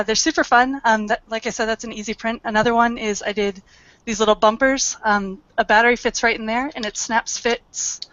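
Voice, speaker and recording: A woman's voice: mid-range voice, fairly bright tone, dry recording, dull audio. A woman guest showing off her project over a video call, talking hesitantly with frequent "um"s. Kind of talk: casual explanation.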